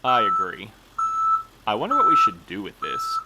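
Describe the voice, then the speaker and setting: A man's voice: lowish voice, huge pitch swings, moderate pace, very noisy. A man playing a stubborn, by-the-book postmaster in an audio drama, speaking in a formal, politely dry way. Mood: weary, firm. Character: prim, stubborn male postmaster, a by-the-book boss. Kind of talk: naturalistic audio drama acting.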